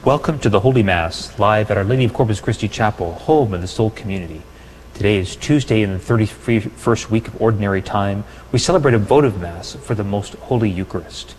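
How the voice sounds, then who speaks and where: A man acting as priest, reciting the prayers of the Mass in a measured, solemn cadence, his voice echoing like a cathedral in a chapel. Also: on the low side, darkish tone. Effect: long cathedral-like reverb of a chapel. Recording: reverberant chapel with faint hum.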